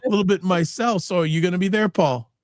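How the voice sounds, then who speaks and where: A man's voice: high voice, fairly quick, dry recording, studio quality. A man hosting a live-streamed talk show, chatting casually and animatedly, often cutting himself off and joking. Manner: animated, self-interrupting, jokey. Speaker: host.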